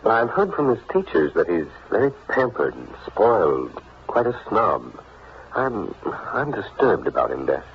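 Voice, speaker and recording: Low-voiced, earnest radio soap gentleman. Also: wildly swooping pitch, measured pace, heavily acted. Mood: troubled. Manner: earnest, hesitant, courteous. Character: earnest, troubled gentleman, fond fiancé and uncle. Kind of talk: 1940s radio soap acting. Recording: muffled, noisy old radio recording.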